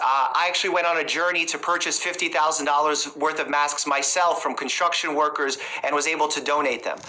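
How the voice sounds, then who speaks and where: A man with a New York accent asks careful, prepared questions in an interview. His voice is bright and a little higher than most men's. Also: low-quality recording. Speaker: family doctor interviewer.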